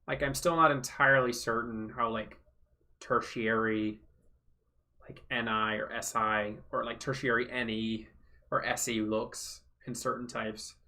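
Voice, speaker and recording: A man on a casual home livestream, answering viewers' questions in a loose, rambling way full of ums and likes. His tone is bright and forward, sitting in a middle pitch for a man. After hours of talk his voice is wearing hoarse. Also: flat delivery, measured pace. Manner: rambling, filler-heavy, thinks aloud. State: voice going hoarse from long talking. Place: home room.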